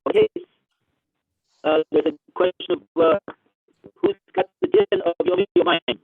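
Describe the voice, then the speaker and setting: A rabbi teaching a Talmud class over the phone, halting with many fillers, his voice breaking up on a choppy line. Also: sits high, huge pitch swings, vocal fry, husky, no room sound. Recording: tinny dry phone line.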